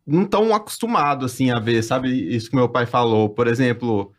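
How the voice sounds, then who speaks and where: A man's voice: medium pitch, brisk. A young man chatting casually as a podcast guest and often checking in with his listeners. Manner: conversational, checks in with "sabe?". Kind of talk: casual conversation.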